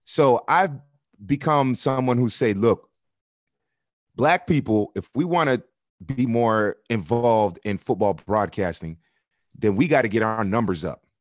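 A man's voice: on the low side, lively intonation, unhurried, no echo, studio quality. A man from Miami, a soccer broadcaster speaking as a podcast guest, candid and earnest, building his points through repetition. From Miami, United States. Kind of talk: podcast interview.

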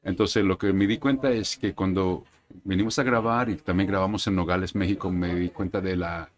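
Un hombre de Brooklyn, de lengua materna inglesa, que habla con calma en una entrevista. Tiene una voz más bien grave. Divaga sin prisa y mezcla palabras en inglés. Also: male voice, low-pitched, moderate pace. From Brooklyn, New York. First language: English. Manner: relaxed, rambling, mixes in English words. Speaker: actor, interview guest. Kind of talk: casual conversation. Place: indoor arcade.

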